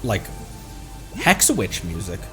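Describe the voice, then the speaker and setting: An American man chatting casually on a game livestream in a rambling, halting way. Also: on the low side, big pitch swings. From American Midwest and Tornado Alley region. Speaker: game streamer. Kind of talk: casual livestream chat over gameplay. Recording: game music behind the voice. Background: video game music.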